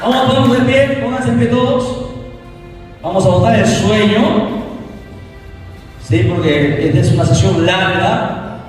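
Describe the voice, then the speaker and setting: A man's voice: high voice, unhurried, pauses often, soft background music. A man pastor preaching a sermon, asking the congregation questions and answering them himself, recorded from a distance in a church hall. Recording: echoey hall recorded from far off.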